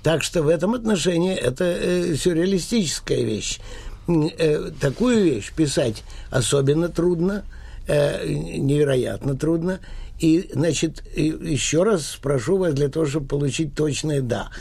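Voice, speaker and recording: A man hosting a radio talk show, talking insistently and pausing often with hesitant filler sounds. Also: a little high, gravelly, a little mellow, husky. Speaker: radio host interviewing a writer.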